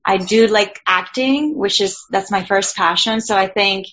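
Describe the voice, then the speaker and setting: A woman's voice: medium pitch, a little slow, a bit bright. Woman with a Cuban Spanish accent. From Cuba. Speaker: voiceover student. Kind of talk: self-introduction in an online class. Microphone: video call. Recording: dull, lo-fi video call audio.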